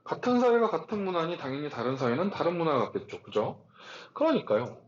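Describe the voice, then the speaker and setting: A man giving a recorded lecture, talking in an animated, chatty way with rhetorical questions and asides. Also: fairly high pitch, fast talker, dull audio, slight background noise.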